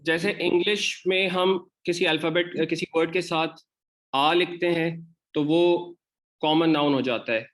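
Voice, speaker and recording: A man's voice: a little high, fairly even intonation, a little slow, fairly bright tone. A man with a Pakistani Urdu accent teaching an Arabic grammar class, explaining step by step and repeating example words. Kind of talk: online class lecture.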